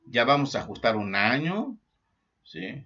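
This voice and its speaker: This man's voice sits fairly high in pitch and has a bright, sharp tone. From Mexico. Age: 60s. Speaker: psychotherapist. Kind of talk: casual talk. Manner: halting, many fillers.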